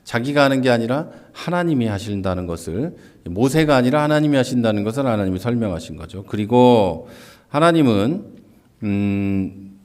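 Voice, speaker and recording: A man leads a church Bible class lecture in a medium-pitched, expressive, slightly mellow voice at normal speed. He explains things step by step, often opening a point with "자," and acts out quoted lines in a livelier voice.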